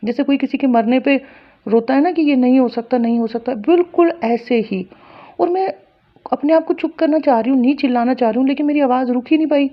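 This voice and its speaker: A woman recounts a personal spiritual experience straight to her audience, her voice sitting a little high. She tells it earnestly and circles back over the same phrases. The recording sounds dull and lo-fi. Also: fairly quick. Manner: earnest, repetitive, intense retelling. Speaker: spiritual storyteller. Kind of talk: personal story told to viewers.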